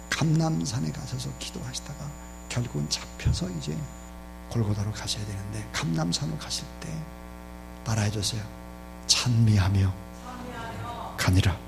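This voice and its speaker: A man's voice: mid-range voice, vocal fry, darkish tone, poor audio. A man preaching a sermon as pastor, emphatic, leading his congregation to repeat lines after him.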